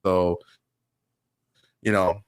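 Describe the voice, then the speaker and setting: A man speaks over a remote call line that crackles and keeps cutting out. His voice sits low and sounds dry, with no room around it. He talks in halting casual chat, restarting and repeating words. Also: level tone, clean tone, no echo. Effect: crackly audio cutting out.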